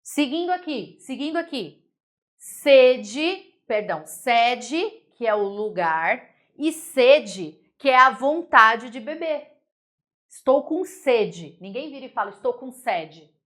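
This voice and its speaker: A young Brazilian woman teaching a grammar class in a relaxed, chatty way. Her voice sits a little high, and she stays animated as she explains. She keeps stopping to check that everyone is following. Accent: Brazilian Portuguese. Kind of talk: casual exam-prep grammar lesson.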